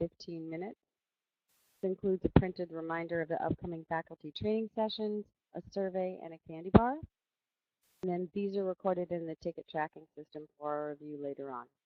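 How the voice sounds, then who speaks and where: The woman's pitch is fairly low, and her intonation fairly even. She speaks at a fairly quick pace. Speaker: university IT support staff. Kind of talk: conference presentation. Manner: louder after being asked to project. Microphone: quiet, hard to hear.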